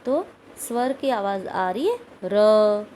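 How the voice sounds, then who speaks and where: Woman schoolteacher, slow and patient, fairly high voice, repeats sounds for pupils over faint hiss. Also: lively intonation, a little mellow, rough recording. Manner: explains slowly, repeating words and sounds aloud; asks questions of pupils, adds "ठीक है" often. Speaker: school Hindi teacher. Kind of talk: recorded video lesson.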